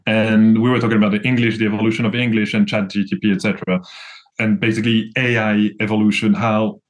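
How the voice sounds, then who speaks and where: Young french guy, kinda low voice, rambly with lots of likes, casual chat. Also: poor audio. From France. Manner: rambling, many restarts and "like" fillers. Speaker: guest. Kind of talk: casual conversation.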